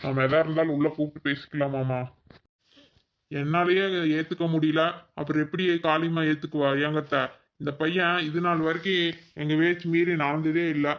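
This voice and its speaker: A man voicing a flat, patient Kongu village father. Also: on the high side, normal speed, muffled recording, lightly acted. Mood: persuading. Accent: Kongu Tamil. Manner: patient, persuasive, reasoning. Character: middle-aged village father, patient peacemaker.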